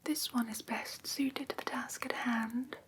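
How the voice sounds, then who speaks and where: A woman playing a prim, patient vampire teacher in a whispered ASMR roleplay, speaking softly and breathily with formal, careful instruction. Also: on the high side, fairly even intonation, measured pace, lightly acted. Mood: gentle, instructive. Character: prim, patient female vampire teacher of human pet care.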